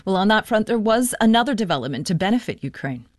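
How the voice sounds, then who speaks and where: A woman's voice: mid-range voice, very animated, quick pace, slight background noise. A woman hosting a radio talk program who interviews guests and reads the news, with a few hesitant restarts.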